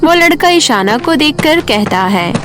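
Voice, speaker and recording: A woman's voice: high-pitched, big pitch swings, a little slow, a bit bright, faint music behind. A woman narrating a scripted children's story in a storytelling style.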